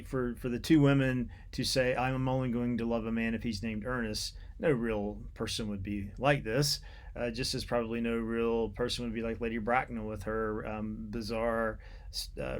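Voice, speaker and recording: A man lectures on literature in a mid-pitched voice with noticeable creak. His delivery is unscripted and deliberate, halting to search for phrasing and repeating words as he explains.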